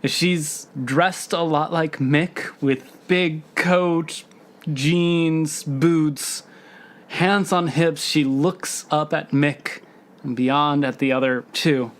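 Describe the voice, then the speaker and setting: A woman's voice: low voice, fairly even intonation, extremely slow. A woman narrating a tabletop roleplaying game as game master, describing scenes and characters.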